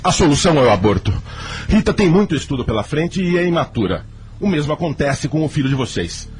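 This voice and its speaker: A man's voice: on the high side, big pitch swings, quick pace, a little mellow, a little hiss or hum. An actor playing a stubborn, hot-tempered middle-aged father in a radio soap opera, speaking vehemently and emphatically.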